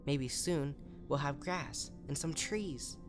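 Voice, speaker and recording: A man's voice: on the high side, slow, music in the background, voice pushed up. A man voicing a deranged, eager, power-hungry female unicorn pony writing letters, in a chirpy, unhinged manner for a horror story. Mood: gleeful.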